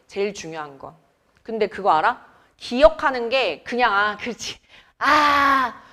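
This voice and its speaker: Lively, animated woman teaching a class. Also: medium pitch. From Seoul, South Korea. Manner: chatty, teasing, quizzes students. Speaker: academy Korean teacher. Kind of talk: classroom lecture.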